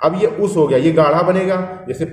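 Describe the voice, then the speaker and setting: A man's voice: on the high side, fairly quick. Man teaching a shorthand class, step-by-step explanations, frequent comprehension checks, long hall reverb. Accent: Hindi. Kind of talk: classroom instruction. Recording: echoey room, voice from far off.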